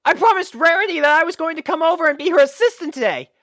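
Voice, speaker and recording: Woman voicing an excitable young boy dragon, pitched high. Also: fast, no room sound, studio quality. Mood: startled panic. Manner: hesitant, excitable, exclaiming. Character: young male dragon, eager, bashful, flustered helper.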